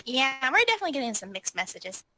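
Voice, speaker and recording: A woman's voice: sits high, big pitch swings, fast, sharp tone, no room sound. A woman playing a tabletop roleplaying game, improvising casual in-character dialogue in a wry way.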